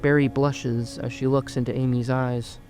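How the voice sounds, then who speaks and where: Casting: woman narrator with a remarkably deep voice, reading story narration over soft music. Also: little pitch movement, normal speed.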